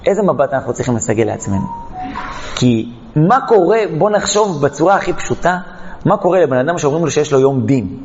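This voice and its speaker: A man's voice: a little high, animated, a little mellow, long reverb tail, lo-fi sound, slight background noise. A man teaching a Torah lesson, telling a parable dramatically and acting out the characters. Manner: dramatic storytelling, acts out the characters. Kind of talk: storytelling lesson.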